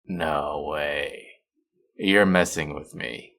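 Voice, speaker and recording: A man's voice: extremely low pitch, steady tone, drawn-out words, fairly bright tone, exaggerated voice. A man playing a friendly, teasing, slightly bashful young traveler in a casual, intimate one-sided audio roleplay. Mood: friendly, playful.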